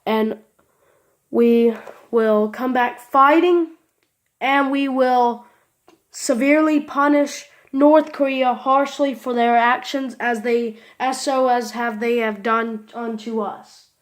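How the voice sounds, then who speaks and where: A woman playing a solemn, prayerful American president addressing a nation under attack, halting and repetitive. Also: on the high side, fairly even intonation. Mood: grave, pleading.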